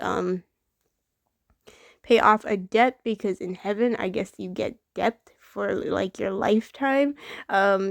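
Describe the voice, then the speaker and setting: Recorded dry and in studio quality, this young artist has a fairly high, slightly mellow voice. While drawing she makes casual conversation that wanders, packed with fillers and self-corrections.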